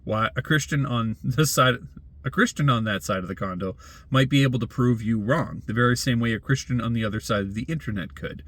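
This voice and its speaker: Man, medium pitch, wry tone, scripted commentary, rhetorical phrasing. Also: fairly quick, fairly bright tone. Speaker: blogger and commentator. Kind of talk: scripted opinion essay read aloud.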